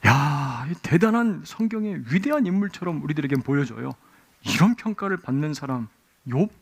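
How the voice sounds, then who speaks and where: Man, pastor, sermon in a church, gravelly, somewhat high voice, storytelling. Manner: storytelling, acting out voices in quotes. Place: church sanctuary.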